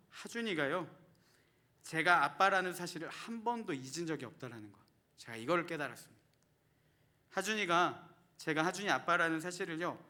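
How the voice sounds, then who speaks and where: A man's voice: on the high side, bright, forceful tone. A Korean man, a pastor in his thirties, preaching a sermon in church and asking the congregation questions. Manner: earnest, asks the congregation questions. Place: church sanctuary.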